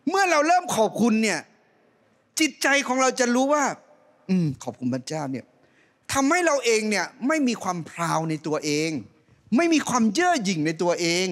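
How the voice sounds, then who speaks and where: A middle-aged pastor preaches on a church stage into a handheld mic, animated and brisk. He swings between loud, rising calls and soft, low asides.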